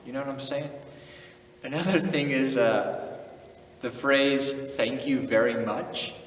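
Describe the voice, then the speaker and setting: A man's voice: mid-range voice, fairly even intonation, slow pace, distant mic. A young man from the United States, chatting casually on his own video channel, laid-back and chuckling often. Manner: laid-back, chuckling, drops in Afrikaans phrases. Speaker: channel host. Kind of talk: casual vlog talk. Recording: echoey room, voice from off-mic, faint noise.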